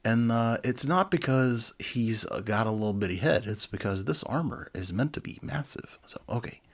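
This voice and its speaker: A man in his forties hosting a children's book reading, mixing expressive narration with casual, enthusiastic asides. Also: mid-range voice, moderate pace. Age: 40s.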